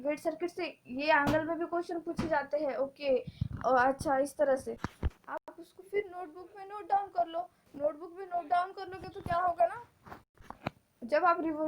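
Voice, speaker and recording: A high-pitched young woman talks students through exam topics in a relaxed, conversational way. She drops English technical terms into her speech and slows right down when reading lists. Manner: chatty, mixes English terms, reads topic lists slowly. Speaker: exam coaching teacher. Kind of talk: casual exam-prep lesson in Hindi-English.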